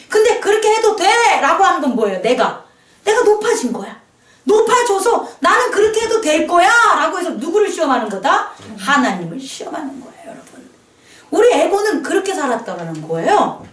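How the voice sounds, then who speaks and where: A woman pastor preaches to her congregation with a high, lively voice that swoops up and down. She keeps asking them questions for answers. The sound is roomy and comes from some distance off the mic. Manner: animated preaching with call-and-response questions. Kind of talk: sermon. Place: small church. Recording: echoey church hall, mic at a distance.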